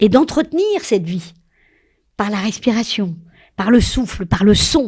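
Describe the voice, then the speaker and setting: Somewhat breathy, a woman with a medium pitch speaks at a fairly slow pace with very wide pitch swings. The recording is very clean, its background silent. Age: 70s. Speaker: singer and vocal coach. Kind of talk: interview. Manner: halting.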